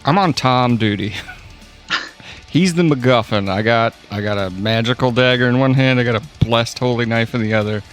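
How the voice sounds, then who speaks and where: A man's voice: medium pitch, normal speed. A man with a mid-range voice plays a tabletop roleplaying game. He describes his character's moves in a casual, joking way over faint plucked guitar music.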